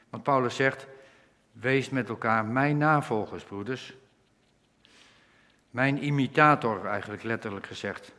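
A man preaching a sermon, earnestly explaining Bible verses and slowing down when he quotes scripture. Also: medium pitch, bright, forceful tone, in a large hall.

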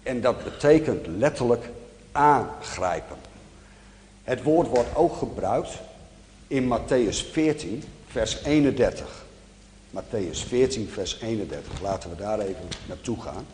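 A male preacher gives a sermon, explaining scripture in a calm, measured teaching voice. He speaks slowly and deliberately, at a mid pitch. The sound is roomy, with a long hall reverb trailing each phrase. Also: a little hiss or hum.

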